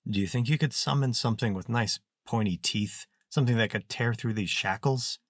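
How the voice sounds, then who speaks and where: A man voicing a blunt, practical strongman in a fantasy tale, with a terse and gruff manner. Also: medium pitch, fairly quick, no echo, studio quality, close to an everyday voice. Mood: matter-of-fact.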